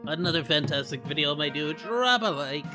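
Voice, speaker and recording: A man streaming live, reacting to videos with loud laughs and excited outbursts. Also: a little high, moderate pace, music in the background.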